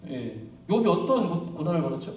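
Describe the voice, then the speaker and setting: Male pastor, live church sermon; conversational, laughs easily; lively pitch, roomy distant sound. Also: brisk, dull audio, slight background noise. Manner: conversational, asks the congregation questions; laughs often while preaching. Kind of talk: live sermon to a youth congregation. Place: church worship hall. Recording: echoey hall, distant mic.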